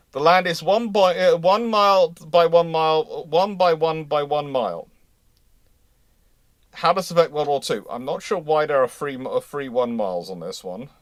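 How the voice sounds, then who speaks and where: A man's voice: fairly high pitch, no echo, studio quality. A man hosting a live history discussion, speaking off the cuff, reading out questions and reworking his phrases as he goes. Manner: rambling, repeats and reworks phrases. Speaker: host of a live naval history Q&A.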